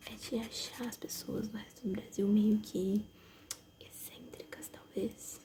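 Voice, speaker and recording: Soft-spoken and fairly high-pitched, a woman talks at a fairly slow pace with fairly even intonation amid noticeable background noise. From Brazil, Minas Gerais. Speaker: ASMR content creator. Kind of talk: ASMR casual chat while coloring. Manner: whispering.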